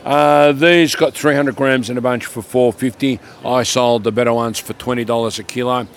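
Croaky older market seller. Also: male voice, mid-range voice, fairly even intonation, normal speed. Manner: chatty, practical, plainspoken. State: croaky from a cough. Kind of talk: casual radio chat.

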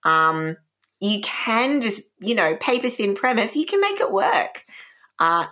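A woman's voice: medium pitch, very animated, measured pace, pushed and bright. A woman in casual review chat as a radio co-host, thinking aloud informally. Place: radio studio.

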